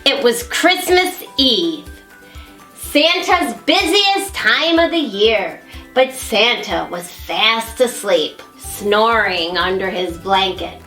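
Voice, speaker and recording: A woman librarian reading a picture book aloud to children in an expressive storytime style. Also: on the high side, slow, echoey room, soft background music. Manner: warm, expressive, addressing children.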